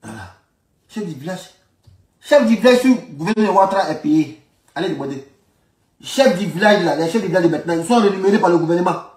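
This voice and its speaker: A man's voice: sits high, expressive, a little fast, long pauses, darkish tone. A man with an Ivorian French accent giving informal political commentary, insisting on his points and repeating his phrases emphatically. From Ivory Coast. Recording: roomy echo, distant from the mic.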